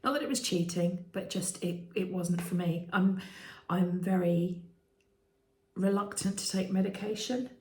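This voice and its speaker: A British woman in her fifties, vlogging candidly with many ums and restarts and a voice that turns croaky at times. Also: on the low side, a little mellow. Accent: British English. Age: 50s. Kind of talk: candid personal vlog. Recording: echoey room.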